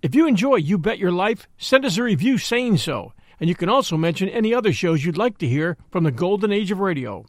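High-pitched, very animated male presenter. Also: a little fast, hardly any pauses, no room sound, studio quality. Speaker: host introducing an old-time radio show. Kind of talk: scripted upbeat introduction.

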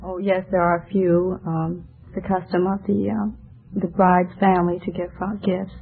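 A woman's voice: fairly low pitch, flat delivery, normal speed, creaky, breathy edge. A woman of twenty-one from Canton, China, giving casual answers as a quiz show contestant. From born in Canton, China. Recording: old radio broadcast, narrow band.

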